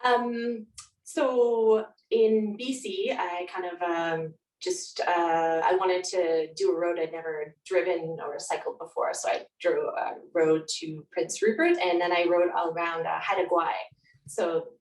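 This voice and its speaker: A guest author, a woman with a low voice, talks unhurriedly and with fairly even intonation, chatting casually and reflectively while telling stories in an interview. The recording has a roomy echo, and she sounds distant from the mic.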